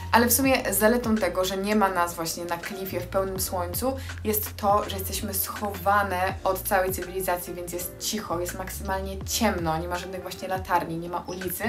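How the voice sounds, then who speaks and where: Young female vlogger, mid-pitched, effusive and casual, guiding a tour over light music. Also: steady tone, normal speed, hardly any pauses. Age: young adult. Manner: enthusiastic, effusive. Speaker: vlogger giving a house tour. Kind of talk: casual spoken house tour to camera. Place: small stone house and outdoor terrace.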